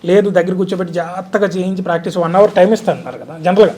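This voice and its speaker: A man's voice: high-pitched, very fast, mellow. A male interviewer asking probing, persistent questions in a casual interview. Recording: faint background noise.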